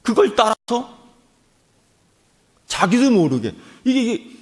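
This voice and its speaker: A male pastor delivering a sermon as animated storytelling, dropping to a hush and rising again. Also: very high-pitched, slow. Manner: animated storytelling, swings from hushed to loud.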